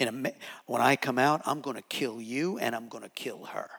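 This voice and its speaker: A man puts on a character voice at a medium pitch and a moderate pace. The recording is very clean with a silent background. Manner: menacing.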